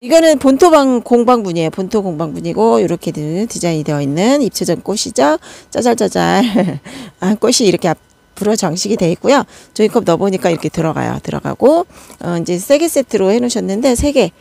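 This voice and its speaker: A woman's voice: mid-range voice, big pitch swings, fast talker, creaky, mellow. A woman showing off plant pots for sale in a casual chatty way, reading out sizes and prices as she goes. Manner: chatty, counts numbers and prices aloud. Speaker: succulent pot seller. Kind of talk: casual product showcase.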